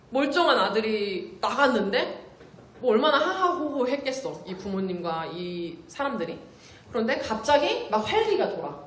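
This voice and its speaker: Lively woman preaching in an echoey room. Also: a little high, a little hiss or hum. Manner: lively storytelling, casual slang, acts out characters. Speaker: youth pastor. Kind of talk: youth sermon.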